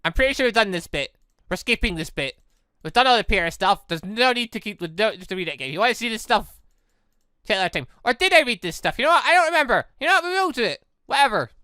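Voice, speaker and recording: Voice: medium pitch, very animated, fast talker, sharp tone, clear, resonant tone, no room sound, studio quality. A gaming video creator giving casual, rambling let's play commentary and talking to themselves. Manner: rambling, talks to self.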